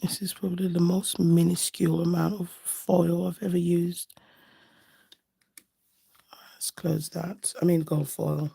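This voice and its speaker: Casual livestream host: woman, slightly lower-pitched, gravelly and hoarse, chatty and affectionate. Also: flat delivery, a little slow, pauses often, mellow. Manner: chatty, affectionate, thinking aloud. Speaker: nail art livestream host. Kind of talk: casual live chat while doing nails.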